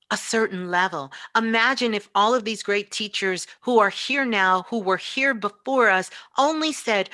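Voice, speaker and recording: A woman's voice: medium pitch, bright, forceful tone, dry recording. A woman giving a spiritual motivational talk, speaking emphatically and repeating phrases for effect. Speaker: spiritual teacher and show host, as guest.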